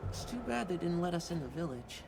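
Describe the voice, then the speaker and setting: A woman voicing a chatty, expressive young companion in a video game. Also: on the low side, a little fast, gravelly, background noise. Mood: wistful.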